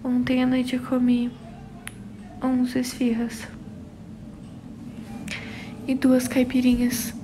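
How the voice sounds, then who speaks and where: Over music, a young woman with a São Paulo Portuguese accent talks slowly and monotonously in a high voice, pausing often. She's hosting a relaxed phone livestream, reading out viewer comments and responding to each person by name.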